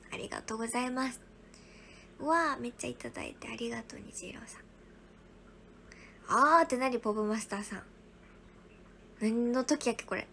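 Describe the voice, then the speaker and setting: High-voiced young woman, soft and whispery. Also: creaky, a little hiss or hum. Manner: soft, often whispery, thanking viewers one by one. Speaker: livestream host. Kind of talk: casual livestream chat reading viewer gifts.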